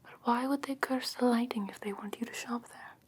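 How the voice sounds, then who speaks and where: A woman voicing an ancient, haughty yet curious fae in a soft breathy whisper for an ASMR fantasy roleplay, halting and matter-of-fact. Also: fairly high pitch, steady tone. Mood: puzzled, curious. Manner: unhurried, matter-of-fact, faintly condescending, halting. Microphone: close ASMR microphone. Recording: close-miked with clear background ambient noise.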